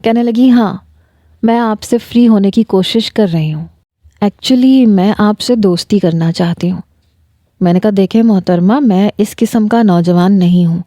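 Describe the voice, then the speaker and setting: Dark-voiced woman narrating a story. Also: medium pitch, no room sound. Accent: Pakistani Urdu. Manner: reads a first-person romance, voicing a young man and his fiancée in the same voice. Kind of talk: scripted narration.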